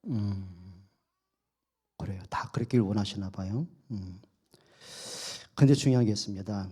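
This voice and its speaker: A man's voice: lowish voice, measured pace, dark tone, husky. A man preaching a Sunday sermon in a church. He asks the congregation questions, answers them himself, and acts out quoted speech in his own voice. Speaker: pastor. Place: church sanctuary.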